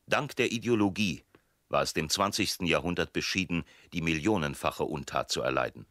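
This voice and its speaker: Deep male voice, grave writer figure, radio feature recitation, admonishing, deliberate, very dry. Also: lively intonation, fairly bright tone, no room sound. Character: grave writer solemnly declaiming his warnings.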